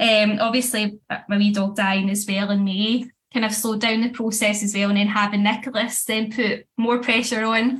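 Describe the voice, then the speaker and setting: In a Scottish accent, a woman speaks at a fairly high pitch and moderate pace. Her intonation is monotone and flat. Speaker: pet groomer. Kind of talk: casual interview chat.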